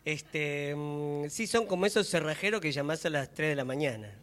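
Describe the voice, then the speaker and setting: A man's voice: on the high side, moderate pace, fairly bright tone. A man with an Argentine accent in a reflective public conversation about theatre, hesitant and searching for words as he thinks aloud. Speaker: actor and theatre maker. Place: public talk in a hall. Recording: reverberant hall.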